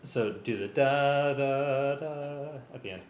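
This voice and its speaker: A man's voice: medium pitch, takes it slowly. A man directing a rehearsal and script read-through in casual, practical talk. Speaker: director reading all parts to cue musicians. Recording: roomy space with loud string music. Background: violin and string music being rehearsed.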